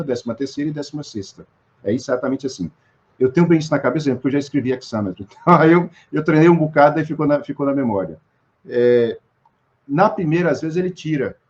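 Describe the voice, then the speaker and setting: A man's voice: medium pitch, darkish tone, dull audio. A Brazilian man speaking as an interview guest, explaining poetry with many restarts and fillers. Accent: Brazilian Portuguese.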